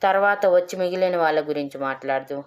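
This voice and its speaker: A woman's voice: on the low side, fairly quick, clear, resonant tone, close to an everyday voice. Woman doing a furious young man. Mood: angry. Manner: shouting, scolding. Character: angry young man back from America.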